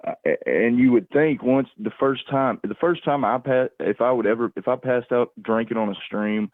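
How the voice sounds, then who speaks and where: A man calling in to a livestream over a phone, rambling casually in a halting, repetitive way as he searches for words. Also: mid-range voice, no echo. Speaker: call-in caller on a livestream. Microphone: phone call. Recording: tinny, narrow phone-call line, dry.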